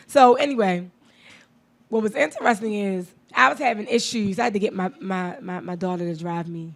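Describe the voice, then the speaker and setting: A woman's voice: mid-range voice, normal speed, vocal fry. A woman in her thirties hosting a radio talk show, chatty and blunt, laughing often. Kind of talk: casual chat.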